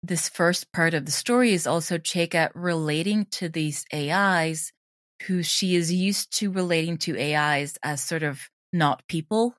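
A woman's voice: deep voice, normal speed, no room sound, clean studio sound. A woman talking casually and reflectively as the guest in an interview about her creative work. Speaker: interviewed audio drama creator.

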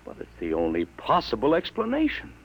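An actor playing a bewildered, worried father in a 1950s radio drama, halting and incredulous, with emphatic delivery. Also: mid-range voice, huge pitch swings, gravelly, slightly rough, exaggerated voice, rough recording. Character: bewildered, stern but worried father of a teenage boy.

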